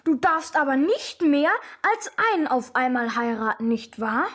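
Woman doing a little kid in a radio play, high voice, asks eager questions nonstop. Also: animated, unhurried, breathy edge, heavily acted. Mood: curious. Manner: asks earnest, wondering questions. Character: little boy, about six, curious and eager. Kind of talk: radio drama acting.

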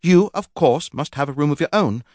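A man's voice: fairly high pitch, animated, normal speed, darkish tone, no echo, clean studio sound, voice pushed up, lightly acted. A man voicing a flustered, polite young Regency wife who falters when pressed.

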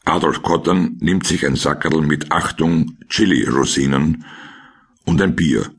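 Super deep gravelly austrian guy narrating a crime audio drama, dry and matter of fact. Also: unhurried. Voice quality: gravelly, husky. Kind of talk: scripted scene narration in present tense.

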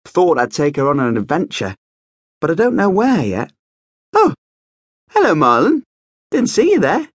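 A man voicing an excitable teenage boy prince who chatters eagerly in a raised, bouncy voice. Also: a little high, normal speed, long pauses, husky, no room sound, pitched above the performer's own voice, full character voice. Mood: excited.

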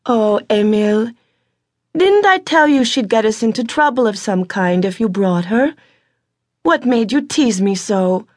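A woman's voice: a little high, expressive, a little slow, no room sound, studio quality, voice pushed up. A woman reading a firm, earnest young woman. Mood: exasperated. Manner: firm, earnest, slightly raised voice.

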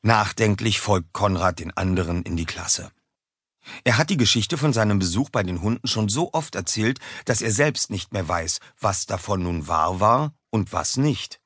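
A man narrating a children's audiobook in a lively, expressive way, recorded on a close studio mic. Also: lowish voice, husky, dry recording. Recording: dry close studio sound.

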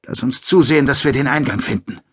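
A male audiobook narrator voicing a young alien soldier who leads a squad with brisk commands. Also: medium pitch, a bit bright, slightly rough, dry recording, clean studio sound, pitched above the performer's own voice. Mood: confident.

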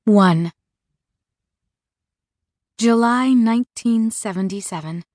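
A woman reading a first-person novel aloud as an audiobook narrator, in a measured, even storytelling manner. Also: on the high side, no echo, studio quality. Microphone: close studio mic.

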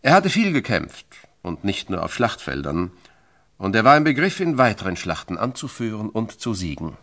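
A man's voice: on the low side, very animated, normal speed, fairly bright tone. A man narrating a biography from a script in a dramatic, emphatic and solemn storytelling style.

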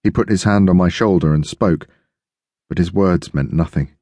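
Deep, dry male narrator, steady first-person audiobook reading. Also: no echo. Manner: measured, steady storytelling.

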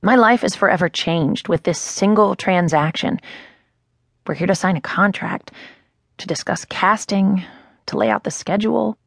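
Gravelly-toned woman narrating a novel. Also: mid-range voice, moderate pace, no echo. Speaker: audiobook narrator. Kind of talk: first-person novel narration. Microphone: close studio mic. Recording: dry studio booth.

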